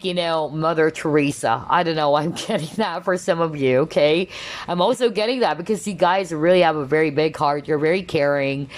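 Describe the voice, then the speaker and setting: Low-voiced woman losing her voice. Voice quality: strained, tiring voice. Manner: chatty, reassuring, full of fillers and "okay?" check-ins. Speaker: tarot reader. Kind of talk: collective tarot reading.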